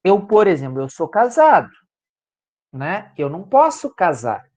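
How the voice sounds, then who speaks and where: His voice sits high and darkish, moving a little slowly with big swings in pitch. A Brazilian Portuguese-accented law professor, he lectures his class and keeps checking in after nearly each point with "tá, gente?"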